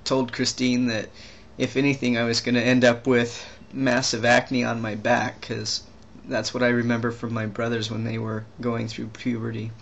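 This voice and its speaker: A young trans man talking casually in a video diary, rambling and halting with many restarts and fillers. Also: mid-range voice, completely flat delivery, gravelly, dull audio. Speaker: vlogger.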